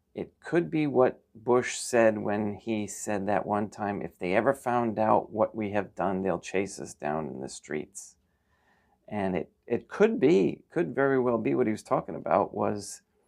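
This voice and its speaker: Speaking at a fairly slow pace, a man uses lively intonation in a fairly low voice. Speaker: priest. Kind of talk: livestream talk to viewers. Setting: home chapel. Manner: halting, many fillers.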